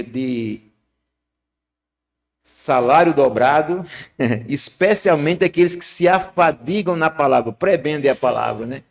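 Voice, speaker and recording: A man preaching a sermon in church as a guest preacher, telling stories with sudden swings between loud, high moments and low, quiet ones. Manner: storytelling, with sharp rises and drops in pitch and loudness.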